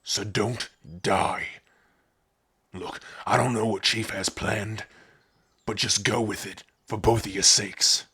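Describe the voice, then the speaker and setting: A man voicing a surly, taunting orc gate guard with a raspy, sneering delivery in an ASMR roleplay. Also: on the low side, fairly even intonation, slow pace, pushed and bright, heavily acted. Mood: grudging, warning. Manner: sneering, blunt.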